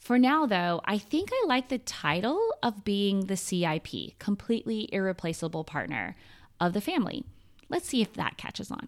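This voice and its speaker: On a very clean recording with a silent background, a woman with an unremarkable speaking voice and an American accent speaks at a moderate pace and medium pitch with lively intonation. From US. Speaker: podcast host. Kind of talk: solo podcast monologue.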